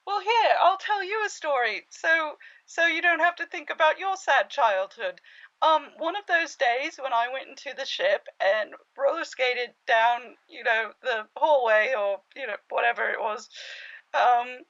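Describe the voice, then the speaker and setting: A woman performs a plucky young scavenger for a cartoon spoof. Her voice is high and bright, a little muffled by the recording. She talks haltingly and self-effacingly, flustered but upbeat, like someone in casual conversation. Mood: rambling, wistful.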